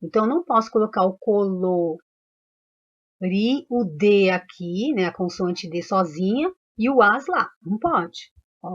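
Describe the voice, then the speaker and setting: A woman's voice: mid-range voice, muffled recording. A woman teacher with a Brazilian Portuguese accent, patiently explaining a lesson step by step and checking if the class follows. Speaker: primary school teacher.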